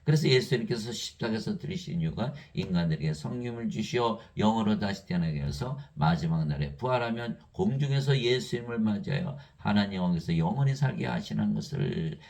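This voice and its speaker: A man preaching a sermon in an emphatic, lively way, reading scripture aloud and laughing between points. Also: fairly low pitch, vocal fry.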